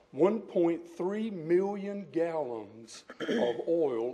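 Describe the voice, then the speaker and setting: A fairly high-pitched man with an American accent and lively intonation. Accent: mountain. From Western North Carolina. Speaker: public commenter at council meeting. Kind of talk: public comment. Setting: town council meeting.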